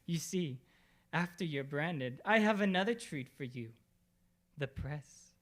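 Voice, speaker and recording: A woman's voice: low voice, expressive, a little slow. A woman playing a gloating, menacing young male murderer in an old-time radio drama style. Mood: cold menace.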